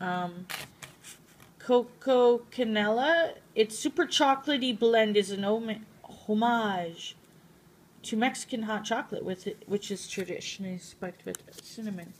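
A woman's voice: medium pitch, normal speed. A woman vlogger, just woken up, rambling casually through a tea haul. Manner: rambling, giggly, playful. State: just woke up, groggy. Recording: noisy home video.

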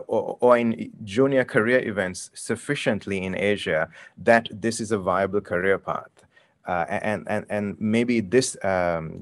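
A man in his forties from Sri Lanka speaks on a webinar panel through a webcam. His voice sits low, and he hesitates often with fillers and restarts. The sound is dry and close. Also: no room sound. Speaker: prosecutor. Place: bright office room, indoors. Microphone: video call webcam.

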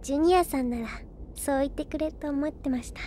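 A woman playing a gentle, polite, devoted little girl in an anime-style audio drama, speaking earnestly. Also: sits high, fast, a little hiss or hum, natural voice. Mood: tender. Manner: polite, soft-hearted, earnest.

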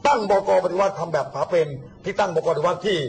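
A man's voice: high voice, lively intonation, gravelly, husky. A man talking politics in a casual, blunt, mocking way, acting out what others said. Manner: rapid, blunt, mocking, acts out quotes. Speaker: guest speaker on politics and the army.

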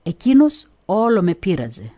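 A woman radio host reading a first-person remembrance aloud in a gentle, measured storytelling manner. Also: mid-range voice, big pitch swings.

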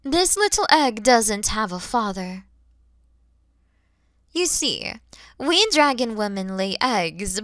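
A woman voicing a huge, kind, motherly dragon who is proud and teasing, in an ASMR roleplay, explaining things gently and patiently. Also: mid-range voice, no echo, studio quality. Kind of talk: ASMR audio roleplay addressed to the listener.

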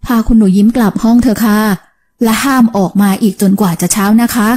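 A woman's voice: mid-range voice, fairly even intonation, brisk, a little mellow, lightly acted. A woman doing a fussing, devoted old housemaid. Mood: coaxing. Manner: polite, coaxing, servant's deference. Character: older woman, loyal longtime household maid, fussing.

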